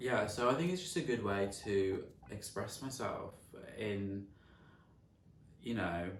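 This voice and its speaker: Fairly low pitch from a man, with audible room echo. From West Midlands, England (Bromsgrove). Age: 20s. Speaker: lifestyle and fashion YouTuber. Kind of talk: casual Q&A vlog.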